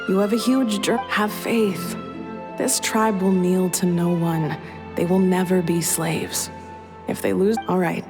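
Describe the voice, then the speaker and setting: A woman's voice: medium pitch, close to an everyday voice. A woman playing a caring, proud tribal woman in a dramatic video game scene, tender yet resolute, in long reverb.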